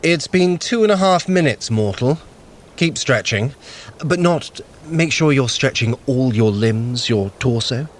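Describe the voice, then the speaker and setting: An actor playing a clever, sly, haughty trickster god in an audio drama, with an arch, theatrical, condescending manner. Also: male voice, mid-range voice, animated, unhurried, lightly acted. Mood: dry, instructing. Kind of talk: scripted audio drama acting.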